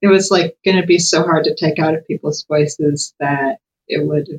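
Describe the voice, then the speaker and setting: A woman's voice: low-pitched, steady tone, normal speed, rough recording. A woman co-hosting a podcast in casual, conversational chat. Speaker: podcast co-host.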